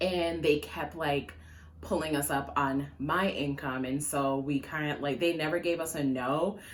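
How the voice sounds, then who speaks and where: Amid audible room echo, a woman speaks at a moderate pace in a very deep, low pitch with ordinary pitch variation. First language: Jamaican Patois. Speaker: personal finance vlogger. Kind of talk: casual vlog talk. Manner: hesitant, many fillers.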